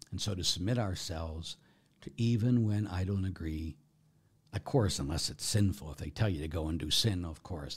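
A man's voice: low voice, husky. A man speaking as a Catholic priest, giving informal religious teaching and answering questions in a conversational, emphatic way, often checking in with listeners.

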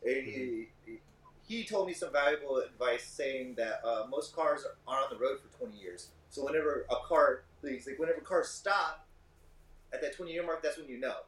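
A man's voice: mid-range voice, moderate pace, a bit bright, far from the mic. A man in his thirties from Michigan, a shop owner guest telling long, rambling stories in a casual podcast chat. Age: 30s. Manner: talkative, rambling storyteller. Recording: roomy, off-mic.

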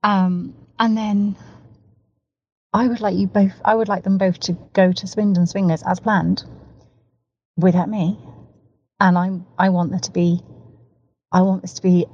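A woman's voice: mid-range voice, level tone, a little slow, long pauses, a little mellow, breathy edge, no echo, dull audio. A woman with a cold, talking in an eager, rambling way and piling up words for emphasis, recorded in a parked car. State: has a cold. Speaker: podcast co-host. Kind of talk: recorded voice message, casual.

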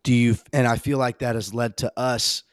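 A man with a slightly hoarse voice hosting a casual, rambling, emphatic fan talk on a sports podcast. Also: medium pitch, flat delivery, moderate pace, no room sound, studio quality.

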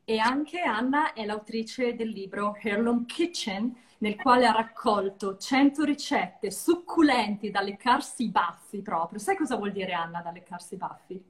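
Higher-voiced woman hosting an interview. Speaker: interview show host. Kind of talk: conversational interview hosting with some English asides.

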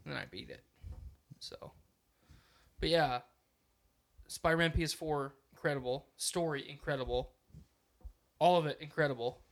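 A young man hosting a podcast, chatting casually with crude, deadpan jokes. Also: on the high side, normal speed, long pauses. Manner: joking, crude, deadpan asides. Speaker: podcast host.

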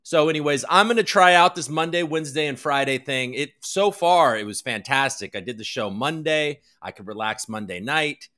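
A man's voice: on the high side, animated, moderate pace, few pauses, bright, forceful tone. A man hosting a crypto news livestream, chatting casually in a rambling, self-deprecating way and swearing freely. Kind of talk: casual chat.

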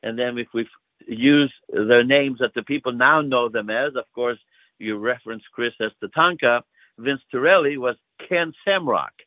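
A man's voice: mid-range voice, normal speed, no room sound. An older man with a Greek accent, a wrestling promoter, telling stories in a casual interview with lots of fillers. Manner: warm storytelling with frequent fillers. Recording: tinny phone line.

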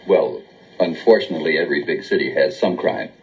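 An actor playing an earnest male military officer in a brisk, reassuring 1970s TV drama style. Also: extremely low pitch, low-quality recording. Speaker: major.

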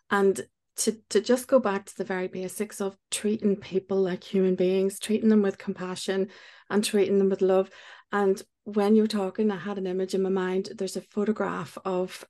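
A woman's voice: medium pitch, warm tone. A woman hosting a podcast, affirming her guest in casual conversation and often restarting her sentences. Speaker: podcast host. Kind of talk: casual interview chat.

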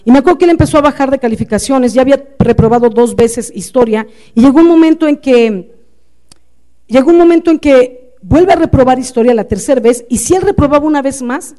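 Warm high-voiced Mexican woman storyteller. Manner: lively, confiding, playful asides to the audience. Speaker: speaker addressing women. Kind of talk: storytelling talk.

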